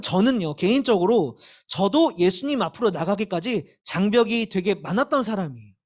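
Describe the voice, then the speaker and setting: A young woman giving a sermon to middle schoolers in a church service, telling her story candidly and laughing at herself. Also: fairly high pitch. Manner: candid, animated storytelling with self-deprecating laughs. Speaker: youth pastor.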